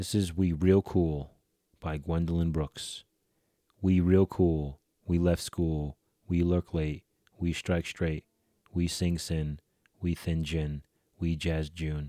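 Speaking with an American accent, a man uses a very deep, low voice with a dark, mellow tone and monotone, flat intonation. He goes at a very slow pace with long, frequent pauses, and the very clean recording is dry and close, with no echo and a silent background. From New Jersey. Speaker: podcast host and poet. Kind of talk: jazz poem performed, read aloud with music. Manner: lyrical, measured, dreamy cadence.

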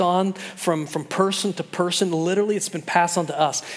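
Over noticeable background noise, a man with a high pitch talks at a moderate pace in a flat, monotone way. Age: 40s. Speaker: pastor. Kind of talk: sermon. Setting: church.

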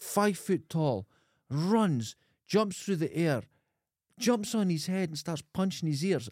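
With a Scottish accent, a man speaks at a very slow pace and high pitch, his intonation lively, on a very clean recording with a silent background. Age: 50s. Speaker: podcast co-host. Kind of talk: casual chat.

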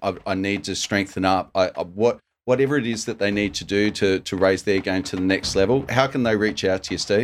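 Speaking with an Australian accent at a fairly quick pace, a man uses ordinary pitch variation on a very clean recording with a silent background. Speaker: podcast co-host. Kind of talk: interview.

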